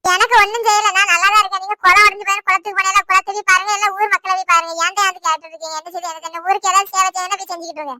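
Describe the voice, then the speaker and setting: A woman voicing an irritable, sick village wife in a cartoon, with a Tirunelveli Tamil accent and a complaining, sharp-tongued manner. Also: level tone, racing, few pauses, dry recording, exaggerated voice. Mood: irritated. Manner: scolding, complaining, shrill. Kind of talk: cartoon voice acting.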